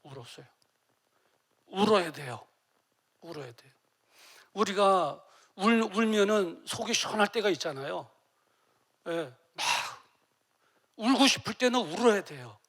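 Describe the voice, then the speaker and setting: Gravelly high-voiced Korean male pastor. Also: expressive, moderate pace, long pauses. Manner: emotional, swings from soft to loud; acts out tearful prayers. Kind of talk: sermon.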